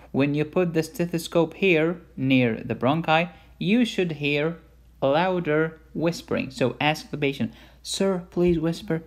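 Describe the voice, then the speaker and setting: Playful, blunt male medical lecturer. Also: on the high side. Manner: playful, blunt, emphatic teaching with mild cursing.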